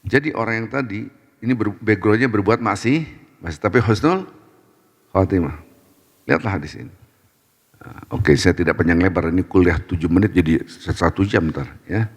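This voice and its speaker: Deep-voiced preacher in a reverberant mosque. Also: male voice. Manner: lively storytelling, acting out people in his anecdotes; sprinkles Arabic devotional phrases. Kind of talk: short mosque sermon with storytelling. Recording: long reverb of a mosque hall.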